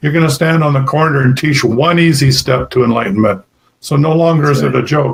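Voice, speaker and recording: A man's fairly high voice comes across somewhat breathy. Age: 70s. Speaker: podcast host. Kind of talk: interview.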